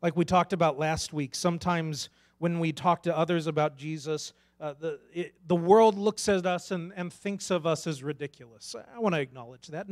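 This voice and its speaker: A man preaches from a church stage, talking earnestly and casually into a handheld mic. His voice sits a little high for a man, and he often restarts his words. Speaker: pastor. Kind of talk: sermon.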